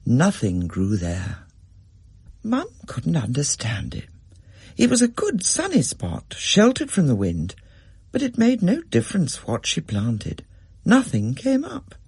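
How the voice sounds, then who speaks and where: Man reading a story aloud, husky voice, pitch rising and falling a lot, dry close sound. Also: no room sound. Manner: measured storyteller, expressive. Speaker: narrator. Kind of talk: scripted story narration.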